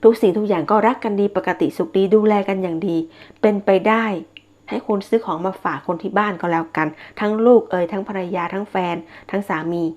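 A woman's voice: medium pitch, a little fast, darkish tone, muffled recording. A woman giving a casual, chatty monthly tarot horoscope reading, often repeating herself and using fillers. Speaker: tarot reader.

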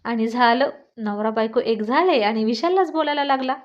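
Woman narrating a story, slightly high. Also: normal speed. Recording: dull lo-fi recording.

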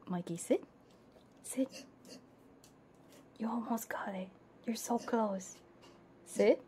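Woman, mellow tone, unhurried casual stream chat, often whispered, playful cooing, faint background noise. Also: a little high. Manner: giggly, doting and playful, cooing to pet dogs. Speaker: livestreamer, ASMR VTuber. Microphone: binaural 3Dio ASMR microphone.

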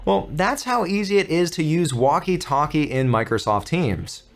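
A man in his thirties with an American accent, hosting a step-by-step software tutorial in an upbeat, clearly articulated, instructional way. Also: fairly high pitch, lively intonation, normal speed. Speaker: tutorial host.

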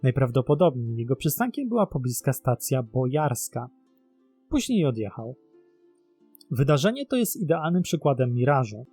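A man's voice: mid-range voice, very animated, normal speed, dark tone, husky, faint music behind. A man narrating a scripted mystery documentary in a dramatic storytelling manner. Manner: dramatic, posing rhetorical questions. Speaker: narrator and host of a mystery series.

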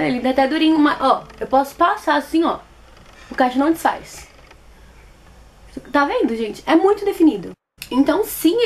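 A woman in her twenties with a Brazilian accent, chatting casually to camera as a beauty vlogger, expressive and repeating words for emphasis. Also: sits high, slight background noise. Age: 20s. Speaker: beauty vlogger reviewing products. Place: small plain indoor room.

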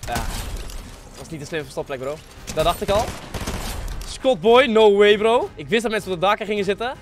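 A man, giving excitable live gameplay commentary in slangy speech sprinkled with English gaming words, close on a desk mic. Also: high-pitched, normal speed, slight background noise. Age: 20s. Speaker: game streamer hosting an online hide-and-seek. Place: small room at a gaming desk, indoors. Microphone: close desk microphone.

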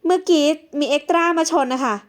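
A woman's voice: very high-pitched, fairly quick, voice pushed up. A woman voicing a haughty young actress who talks in a snappy, scornful way. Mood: sulky sweet. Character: haughty young female soap star.

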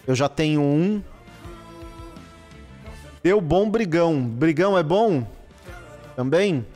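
A man, commentating a live gaming stream, excitable and exclaiming and swearing at what he gets. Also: on the high side, takes it slowly. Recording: long reverb with faint music behind. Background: faint background music.

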